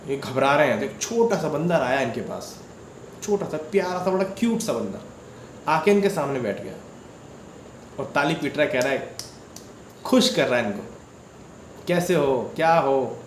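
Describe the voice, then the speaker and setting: Man, devotional storyteller, slightly high voice, chatty and repetitive with questions to listeners; roomy echo on the recording. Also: very animated, moderate pace, pauses often, slight background noise. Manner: conversational, repeats words, asks listeners questions. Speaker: devotional channel host. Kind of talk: casual retelling of a viewer's dream experience.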